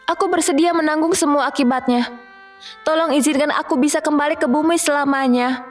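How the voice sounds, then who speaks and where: A woman's voice: high-pitched, brisk, music in the background, natural voice. A woman playing a young lovelorn fairy, earnest and dramatic, in a children's fairy tale cartoon. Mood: pleading.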